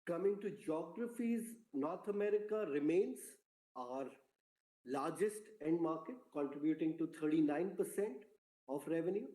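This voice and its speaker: A man with a fairly high, mellow voice delivers a prepared corporate presentation in a roomy, echoing space. His tone is soft-edged and relaxed, and his delivery is measured and formal, like an executive briefing investors on a conference call. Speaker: company executive.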